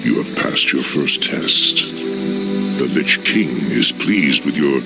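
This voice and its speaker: A scheming male demon lord speaks in a voice of extreme depth with a gravelly rasp. His pitch rolls and swoops as he doles out orders slowly and with menace. A loud orchestral game score plays behind him. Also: expressive, over loud music, heavily acted. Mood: sinister. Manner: slow, measured and menacing. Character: scheming demon dreadlord, male, cold and commanding. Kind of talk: video game cutscene acting.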